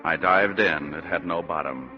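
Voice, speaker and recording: An actor playing a wisecracking, weary private detective who narrates, in 1940s radio style. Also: male voice, low voice, moderate pace, soft background music, lightly acted. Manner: dry, sardonic wisecracks. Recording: dull old radio recording.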